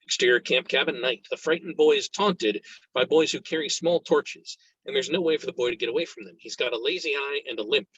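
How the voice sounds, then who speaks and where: A man with a mid-pitched, slightly husky voice narrates a screenplay's action and scene headings. The recording is dry and close. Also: brisk, a bit bright, no echo, highs cut off. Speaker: stage directions reader.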